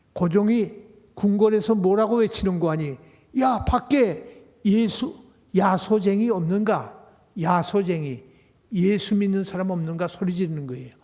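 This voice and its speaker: A mellow, warm-voiced man preaches a sermon, his pitch sitting a little on the high side. He keeps turning to his listeners with rhetorical questions. The sound carries a long church-hall reverb. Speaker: pastor. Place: church sanctuary.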